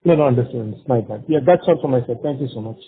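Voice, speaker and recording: A man's voice: mid-range voice, very fast. Male analyst on a noisy phone line. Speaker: financial analyst asking questions. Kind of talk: conference call questioning.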